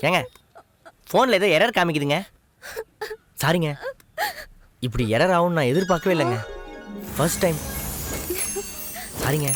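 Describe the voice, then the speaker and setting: A man playing a coy young comic hero who swings his voice up and down in a lively sing-song as he teases and blushes. Faint film music runs under the dialogue. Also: on the high side, moderate pace, long pauses, close to an everyday voice. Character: bashful young man Maanik, joking and flustered. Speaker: lead comic character.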